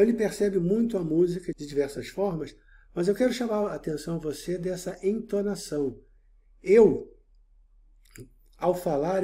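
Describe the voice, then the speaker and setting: A man's voice: fairly high pitch, dark tone. A man lecturing in a casual explanatory style, who talks right to the viewer, checks in often, and repeats words as he looks for the next one. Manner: talks directly to the viewer with frequent check-ins and rephrasings; halting, repeats words while searching for the next.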